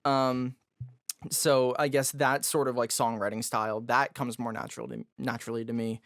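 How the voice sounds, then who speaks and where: A man with a raspy, somewhat high voice, chatting loosely as a podcast guest. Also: animated, moderate pace, fairly bright tone, dry recording, studio quality. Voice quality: raspy, higher voice. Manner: loose and jokey, lots of fillers. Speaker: guest musician. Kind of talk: casual podcast conversation.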